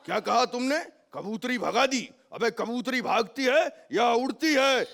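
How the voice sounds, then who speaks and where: A man playing a sly tribal chief who is a father of many daughters, in a stage comedy sketch. He drawls slowly and slyly. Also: very high voice, animated, creaky, a bit bright, exaggerated voice.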